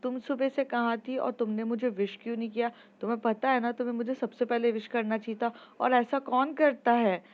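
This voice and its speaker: A woman's voice: on the high side, steady tone, fairly quick, hardly any pauses, highs cut off, pitched above the performer's own voice, close to an everyday voice. A woman voicing Naina, an emotional, moody young woman, in a storytelling podcast with a pouting, demanding manner. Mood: indignant.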